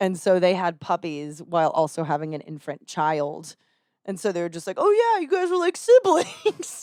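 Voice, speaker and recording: With a silent background, this very clean recording has a dry, close sound with no echo. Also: woman, moderate pace. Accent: slight Texan. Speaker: podcast host. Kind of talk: casual chat. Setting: recording at a vitamin lounge.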